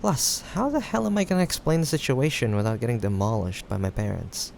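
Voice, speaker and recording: A young adult man plays an affectionate, teasing and slightly awkward male friend in an intimate roleplay aimed at the listener, speaking haltingly with sighs and soft chuckles. His medium-pitched voice has vocal fry, the mood is hesitant and resigned, and steady rain sound effects play in the background.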